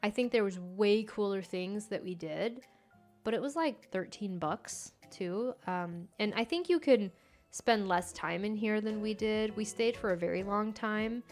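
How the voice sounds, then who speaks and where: A woman's voice: medium pitch, measured pace, a little mellow, soft background music. A young woman whose first language is Farsi, chatting casually and giggling often as she hosts a stream. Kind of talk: casual live-stream chat.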